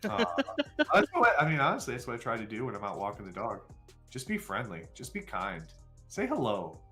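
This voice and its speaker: A man's voice: medium pitch, huge pitch swings, brisk, bright, forceful tone, soft background music. A man in his forties chatting candidly with viewers on a live stream, rambling and self-deprecating, with plenty of fillers. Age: 40s. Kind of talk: casual chat with viewers.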